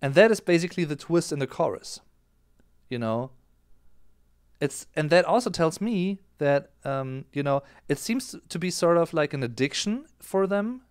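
Animated German-accented man. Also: a little high, moderate pace, clean tone, dry recording, clean studio sound. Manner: animated, gesturing with his hands. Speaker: music reaction streamer. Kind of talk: casual explanatory chat. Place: small indoor room. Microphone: headset.

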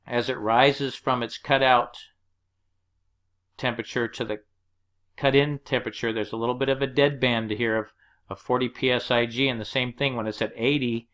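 A man's voice: mid-range voice, fairly bright tone. A man teaching an HVAC course over slides, walking through the numbers one step at a time. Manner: plain, explanatory, walks through numbers step by step. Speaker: HVAC instructor.

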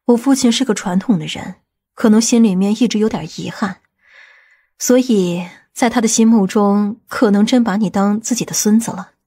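A woman playing a composed, authoritative middle-aged aunt in audiobook drama dialogue, speaking in a measured way. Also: medium pitch, warm tone, husky. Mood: gentle, reflective.

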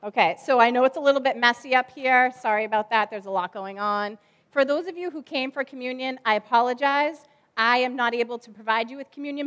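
A woman's voice: on the high side, a bit bright. A woman in her forties, a children's ministry director, giving a chatty object lesson sermon from a church stage with lots of fillers.

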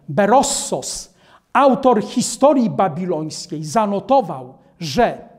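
A man in his sixties giving a Bible study lecture as a preacher, explaining in a measured way in a studio. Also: high voice, a little mellow. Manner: slow, measured, explanatory delivery. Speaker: Adventist preacher. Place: studio in front of a painted backdrop.

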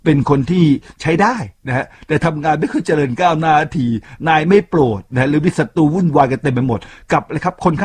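A man's voice: fairly high pitch, slightly rough. A man hosting a radio talk show, talking chattily to his listeners with frequent asides. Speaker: radio host.

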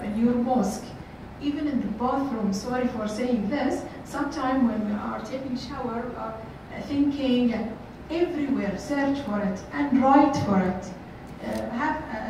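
A woman's voice: sits high, measured pace. Earnest middle-aged woman speaking in echoey hall. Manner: earnest, repeats phrases, many fillers. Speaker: workshop speaker. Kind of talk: motivational talk to youth. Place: large hotel conference room. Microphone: far camera. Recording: echoey room from far off, noisy.

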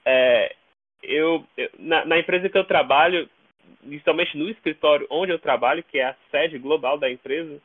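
A man's voice: on the high side, moderate pace, slightly rough. A Brazilian man chatting casually as an interview guest, often repeating words as he searches for the next. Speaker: podcast guest. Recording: narrow, tinny phone-like call audio.

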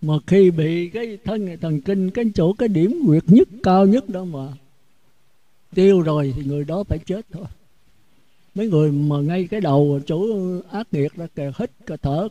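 A man's voice: high-pitched, warm tone, dry recording, lo-fi sound. A Buddhist monk with a Southern Vietnamese accent giving a blunt, outspoken sermon, often repeating words as he searches for the next one.

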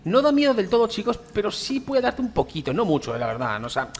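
With a high, sing-song voice and a quick pace, a man from Spain narrates his game casually for his YouTube audience. He speaks with a Spain Spanish accent, slangy and talkative, and calls his viewers "chicos" and "tío" as he talks straight to them.

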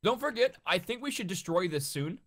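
A man's voice: high-pitched, sing-song, fairly quick, a bit bright. A man co-hosting a gaming series, chatting casually and thinking aloud while he plays. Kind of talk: casual gameplay chat.

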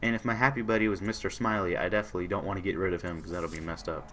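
A hoarse young man with a sore throat, casually commentating a game he is playing, reading on-screen messages aloud and answering them. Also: low-pitched, steady tone, very fast, noisy background. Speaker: gaming channel host. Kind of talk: casual let's-play commentary.

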